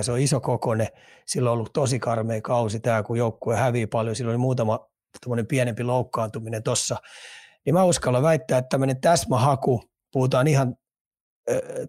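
A man's voice: medium pitch, darkish tone, dry recording, studio quality. Finnish man musing over hockey trades. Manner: speculative, rambling, repeats words while thinking. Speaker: podcast co-host, hockey analyst. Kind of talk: casual sports podcast chat.

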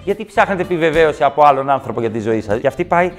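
A man doing stand-up comedy on stage with a raised, fairly high voice, animated and slipping into quick character voices. Music plays faintly behind him.

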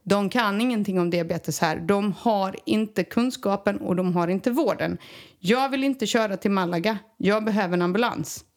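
A woman from Sweden recounting a personal story in casual conversation, animated and acting out the people she quotes. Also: medium pitch. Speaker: guest telling a personal story.

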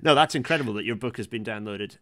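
A man hosting a casual livestream chat, talking in a halting way and often repeating himself as he reads out comments. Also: lowish voice, a bit bright. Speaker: livestream host.

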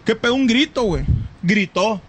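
A man's voice: high voice, moderate pace, a bit bright, a little hiss or hum. A man with a Mexican Spanish accent, co-hosting a casual podcast chat and telling stories full of slang and swearing. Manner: rowdy storyteller, slangy and profane. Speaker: podcast co-host.

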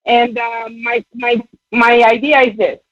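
Puerto Rican-accented woman caller, high voice, halting and earnest, dull phone audio. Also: little pitch movement, no room sound. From Puerto Rico. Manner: earnest, halting, many fillers. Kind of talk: call-in chat.

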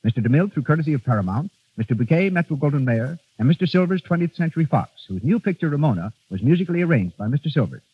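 A man announcing on an old radio show, reading program credits in a brisk, formal broadcast manner. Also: fairly high pitch, expressive. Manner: brisk, crisp read credits. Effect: old radio show broadcast sound. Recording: dull lo-fi old radio recording.

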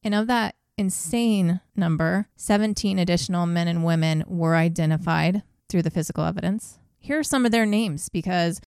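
A woman with a low, gravelly voice tells a true crime case on a podcast. She is blunt and casual, and she swears. The sound is close and dry. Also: moderate pace, few pauses, darkish tone, no echo. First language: English. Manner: blunt, swears, laughs at grim moments.

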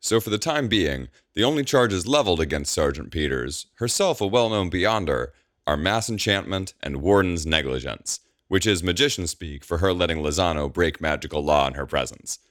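A man playing a brisk, official-sounding newscaster delivering a clipped bulletin within an audiobook story. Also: low-pitched, animated, fairly bright tone, no echo, studio quality, voice pushed up. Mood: businesslike. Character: brisk television newscaster reporting on magical crime.

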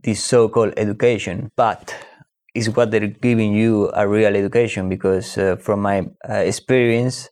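A man with a lowish voice thinks aloud in a relaxed group conversation. He talks reflectively, stumbling over repeated restarts as he works out his point. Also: normal speed. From Spain. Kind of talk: casual discussion.

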